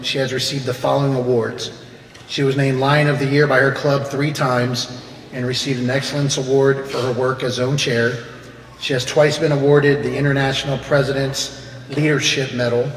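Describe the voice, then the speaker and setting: A man's voice: medium pitch, a bit bright. A man reading out a biographical introduction of a guest speaker at a club meeting. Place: large echoey meeting room. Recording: echoey hall with background noise.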